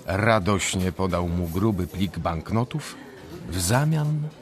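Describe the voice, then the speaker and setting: A man narrating a scripted story for a radio drama in a husky voice. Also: sits low, takes it slowly, background noise.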